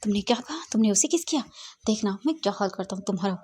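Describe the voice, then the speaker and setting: A woman voicing a hot-headed, jealous young man who stammers and shouts threats, with a husky voice. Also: sits high, lively intonation, fast talker. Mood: furious. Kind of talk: dramatic fanfiction storytelling.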